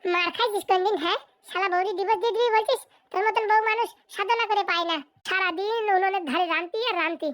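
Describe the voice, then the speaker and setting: Squeaky, fast-talking village cartoon fellow. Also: male voice, a bit bright, no room sound, clean studio sound. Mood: scolding. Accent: rural Bengali. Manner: folksy, teasing, exclamatory. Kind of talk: comedy cartoon dialogue.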